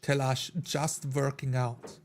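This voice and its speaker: A man's voice: mid-range voice, flat delivery, slow pace. A man talking casually as a player in a discussion about tabletop roleplaying.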